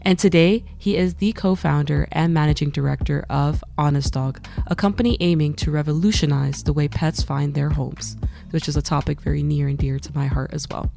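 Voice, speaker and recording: A woman's voice: deep voice, steady tone, a little fast, creaky, hardly any pauses, dark tone. A woman hosting a podcast, reading a polished, upbeat introduction. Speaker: podcast host.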